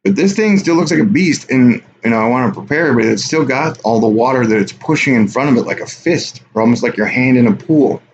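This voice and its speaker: A man's voice: mid-range voice, expressive, brisk, hardly any pauses. A man hosting a casual live stream, rambling offhand and reading viewer chat aloud. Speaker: livestream host. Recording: dull lo-fi stream audio with faint hiss.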